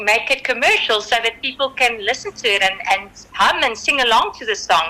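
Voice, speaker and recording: Against noticeable background noise, a woman speaks at a moderate pace with a fairly high pitch and ordinary pitch variation. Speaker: singer-songwriter. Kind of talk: radio interview.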